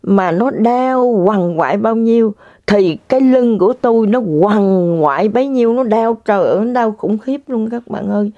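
A woman's voice: fairly high pitch, moderate pace, mellow, dry recording. A woman telling a story to her viewers in a casual, dramatic, exclamatory way. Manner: dramatic, exclamatory, speaks straight to the audience. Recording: dull lo-fi dry recording.

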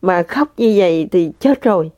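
An older woman giving an emotional, halting spiritual testimony to listeners, often repeating herself. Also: lowish voice, animated, dark tone, dry recording. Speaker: religious practitioner sharing testimony. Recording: dull lo-fi sound.

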